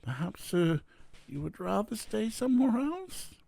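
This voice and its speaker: A man's voice: sits high, wildly swooping pitch, slow, gravelly, a little mellow, no room sound, pitched above the performer's own voice, heavily acted. A man voicing a nervous, polite hotel manager in a storybook, speaking deferentially and hesitantly. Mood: worried.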